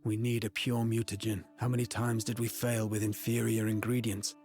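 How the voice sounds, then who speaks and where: An actor playing an earnest, driven, brooding mage in a fantasy game, speaking seriously and formally. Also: male voice, fairly low pitch, flat delivery, moderate pace, a little mellow, faint music behind, natural voice. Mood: serious, focused.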